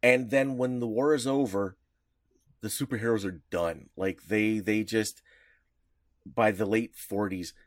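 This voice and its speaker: A man's voice: fairly even intonation, a little slow, dry recording, studio quality. A man co-hosting a podcast, talking casually and rambling with frequent chuckles. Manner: rambling, chuckling, pitch jumping around. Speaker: podcast co-host. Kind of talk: casual chat.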